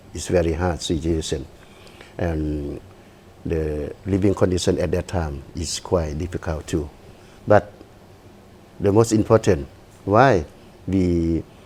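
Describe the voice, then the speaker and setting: A man with a Lao accent speaks fairly slowly in a very deep, low pitch with ordinary pitch variation. Long pauses come often, and background noise is noticeable. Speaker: retired radio broadcaster. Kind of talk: interview. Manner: halting.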